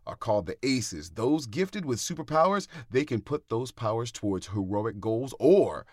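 A man's voice: mid-range voice, big pitch swings, moderate pace, darkish tone, dry recording, studio quality. A man co-hosting a comics show, presenting news items in an upbeat way. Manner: upbeat, addresses listeners as y'all. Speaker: co-host. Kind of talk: reading news items in a chat.

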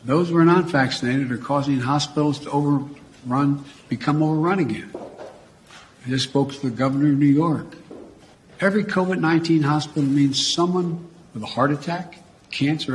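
A man giving a formal public address, speaking in a slow, deliberate and pleading way. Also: on the high side, slight background noise, rough recording. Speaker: politician.

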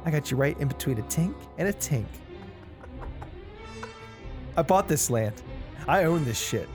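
Picture a smug hook-armed villain who gloats and monologues like a cheap stage baddie, as a man hams him up. His voice swoops through a lively range. Faint music sits underneath. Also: a little high, a little fast, close to an everyday voice. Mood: gloating. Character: evil hook-armed male realtor villain, smug and theatrical.

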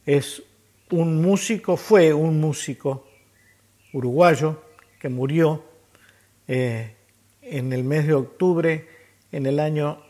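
A man hosting a music tribute, speaking reflectively and building his points in measured, emphatic lists. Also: on the high side, a little mellow. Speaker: host presenting songs in tribute. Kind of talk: reflective spoken introduction to music.

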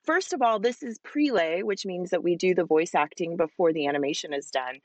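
A woman voice actress chatting in an interview, enthusiastic and animated with plenty of fillers. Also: lowish voice, no echo. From Hispanic family, father with Spanish accent. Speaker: voice actress guest. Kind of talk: casual interview answers.

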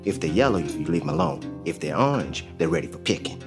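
Young father, calm, plainspoken drawl, gravelly voice, faint music behind. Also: low-pitched, brisk. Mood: steady. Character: young enslaved male father, steady and hopeful. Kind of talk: audio drama acting.

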